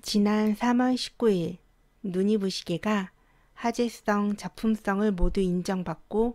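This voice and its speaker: Very slowly, a woman speaks at a medium pitch with a dark, mellow tone and ordinary pitch variation on a very clean recording with a silent background. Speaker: drama review narrator. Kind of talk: drama review narration.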